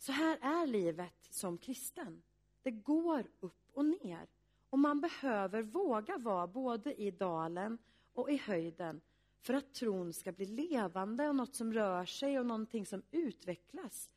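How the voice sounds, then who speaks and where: A woman pastor giving a sermon, speaking earnestly and reflectively with pauses. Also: fairly high pitch, animated, darkish tone.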